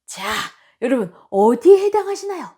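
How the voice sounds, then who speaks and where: A woman's voice: high voice, normal speed, heavy background noise. A woman hosting a self-improvement channel, talking casually and expressively to her viewers. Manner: animated and expressive, with acted-out quotes.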